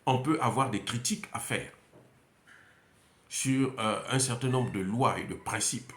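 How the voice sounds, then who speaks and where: A man's voice: medium pitch, unhurried, a bit bright. A man with a Central African French accent giving an emphatic, unscripted monologue, repeating phrases and hesitating often. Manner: emphatic, repetitive, many hesitations. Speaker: commentator. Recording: roomy echo.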